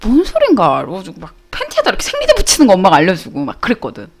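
A woman's voice: medium pitch, wildly swooping pitch, rapid-fire. A young adult woman, a live streamer, telling a story to her chat audience in blunt, slangy banter.

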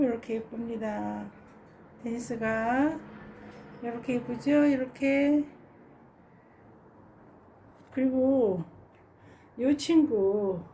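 A woman strolls through her balcony garden, naming each geranium slowly and sighing over how pretty they are. Her voice sits a little high but sounds mellow, and she talks at a very unhurried pace. A faint hiss of background noise runs under the phone recording. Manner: slow, fond, repeats flower names and sighs of delight. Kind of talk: casual garden tour narration. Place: home balcony with plants.

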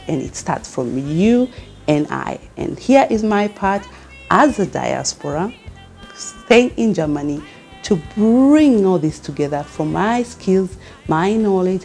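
A woman's voice: on the low side, gravelly, mellow. A middle-aged Kenyan woman with a Kenyan accent, speaking earnestly to camera as a network founder and asking rousing questions. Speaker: founder and CEO of a women's network. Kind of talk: direct-to-camera address. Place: furnished studio lounge with a fireplace, indoors.

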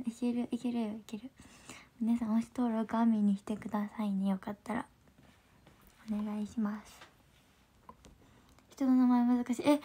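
A woman's voice: fairly high pitch, vocal fry, breathy edge. Giggly Kansai woman livestreaming. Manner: chatty, laughs often, drops into soft whispers. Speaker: idol group trainee hosting a livestream. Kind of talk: casual livestream chat, reading viewer comments.

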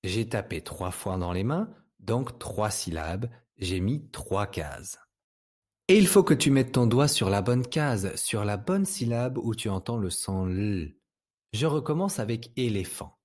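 A man with a French accent teaching young children to read, saying each sound slowly and patiently. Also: lowish voice, sing-song, a little mellow. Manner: patient, speaks words slowly and distinctly. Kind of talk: slow, clear reading lesson for young children.

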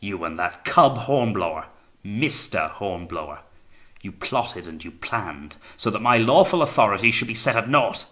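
A man acting a forceful, paranoid navy captain. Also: on the low side, animated, normal speed. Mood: paranoid rage. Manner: theatrical, accusing, taunting, swings from quiet menace to blaring. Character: paranoid, sneering, tyrannical male naval captain, raging and suspicious. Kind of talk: dramatised audiobook reading of sea fiction.

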